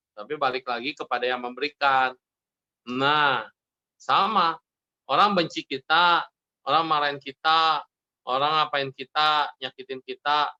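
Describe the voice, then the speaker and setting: A man, a Buddhist monk, delivers a relaxed sermon in a bright, forceful voice that sits a little high. He keeps the mood light, laughing and playing the people in his stories. The sound is slightly muffled, like an online stream. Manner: jokey, laughs often, acts out characters in his stories. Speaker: Buddhist monk giving a dharma talk.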